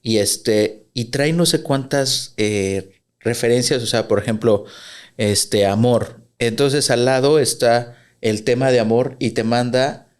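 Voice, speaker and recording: Hesitant co-host, mid-pitched. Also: male voice, takes it slowly, smooth. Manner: hesitant, filler-heavy explaining. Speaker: podcast co-host. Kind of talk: casual podcast chat.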